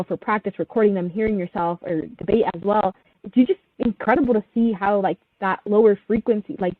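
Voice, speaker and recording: A woman's voice: mid-range voice, no echo. A young woman on a panel discussion, speaking reflectively with many fillers. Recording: tinny phone-like call audio.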